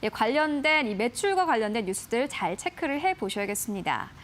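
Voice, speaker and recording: A female news caster briefs viewers on stocks to watch. Her voice is high and highly animated, rising and falling throughout. She keeps a clear, upbeat briefing tone. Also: fairly quick.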